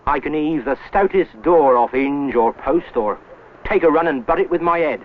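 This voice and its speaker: A man's voice: a little high, animated, normal speed, natural voice. An actor playing a boastful medieval English miller who blusters defensively about his honesty in archaic speech, on an old film soundtrack. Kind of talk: educational film historical acting. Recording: tinny, band-limited old 16mm film soundtrack.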